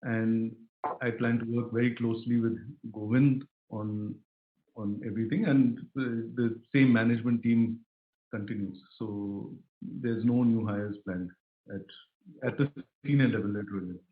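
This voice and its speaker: A man answering questions as a company chief executive on an earnings call, thinking aloud in halting phrases. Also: lowish voice, steady tone. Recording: echoey phone-like conference call line.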